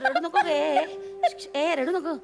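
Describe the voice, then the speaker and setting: A woman's voice: extremely high pitch, measured pace, over music. A woman playing an office boss in a stage comedy sketch, scolding and barking orders, speaking with a Marathi accent. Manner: bossy, scolding, shouting orders.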